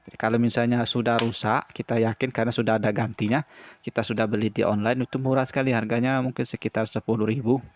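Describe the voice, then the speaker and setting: A man explaining a hands-on repair step by step in an informal, halting, repetitive way. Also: medium pitch, level tone, lo-fi sound. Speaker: repair tutorial presenter.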